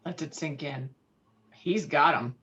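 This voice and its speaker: On dull, lo-fi video call audio, a woman reads screenplay stage directions as narrator at an online table read. Her voice is low-pitched and fairly bright, and she speaks a little slowly.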